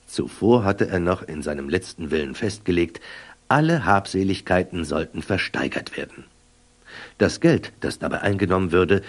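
An actor narrating a children's adventure audio drama as storyteller, with a husky voice. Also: male voice, low-pitched.

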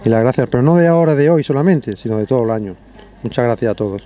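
A man's voice: medium pitch, expressive, rapid-fire, background noise. A man, a restaurant owner talking eagerly and gratefully in a casual interview on an outdoor terrace at night, into a handheld mic.

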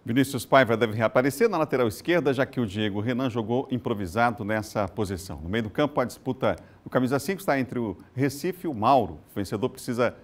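Male local TV news anchor. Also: medium pitch. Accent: Brazilian Portuguese, Maranhão. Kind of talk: TV news presenting.

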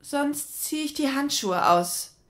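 A woman's voice: sits high, expressive, slow, fairly bright tone, exaggerated voice. A woman playing a curt, prickly covert agent in an audio drama. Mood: curt, scornful.

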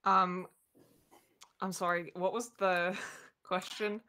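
A woman's voice: fairly low pitch, flat delivery, slow, bright, forceful tone, clear, resonant tone. A woman talking casually as a podcast writer, explaining things on a video-call panel. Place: indoor room at home, video call.

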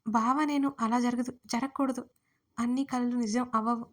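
A woman voicing a young woman in an audio story who shouts through her tears. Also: a little high, fairly even intonation, normal speed, close to an everyday voice. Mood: anxious. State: crying. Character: young woman Akruthi, tearful and angry.

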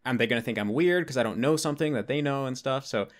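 An American man in his twenties hosts a casual, conversational interview from his bedroom at home. His voice is medium-pitched and his pace is quick.

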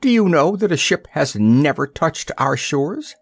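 Man playing a haughty little boy king, solemn, high raised voice, dry sound. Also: big pitch swings, a little slow, husky, no echo, exaggerated voice. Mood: proud.

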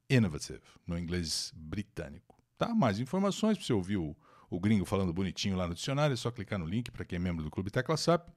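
A man's voice: on the low side, a little mellow. A man from Brazil hosting a live-streamed English lesson, reading an article aloud, translating it and greeting viewers by name. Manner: chatty, greets viewers by name, explains words and pronunciations. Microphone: new microphone.

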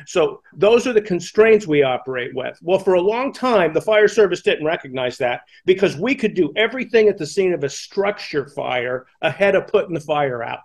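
An American man in his sixties explaining things emphatically in an interview, halting and repeating the starts of words. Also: sits high, lively intonation. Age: 60s. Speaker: fire command instructor and podcast guest. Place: indoor room, on a video call. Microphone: headset boom mic.

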